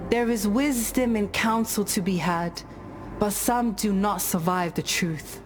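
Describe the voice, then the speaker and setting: A solemn tribal storyteller, played by a woman in a fantasy game, recounts old fables at a slow, deliberate pace. Her delivery is grave and measured, with music playing behind her. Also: mid-range voice, close to an everyday voice. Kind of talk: scripted storytelling of parables.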